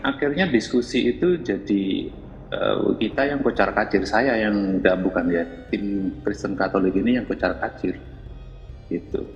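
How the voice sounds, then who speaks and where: A man making measured, formal arguments in an online religious debate. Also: on the low side, steady tone, in a large hall, highs cut off, faint music behind. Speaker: debate participant.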